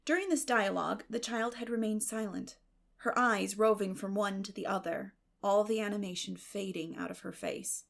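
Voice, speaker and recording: Expressive woman narrator with a creaky edge. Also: medium pitch, moderate pace. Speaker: audiobook narrator. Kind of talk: scripted storybook narration.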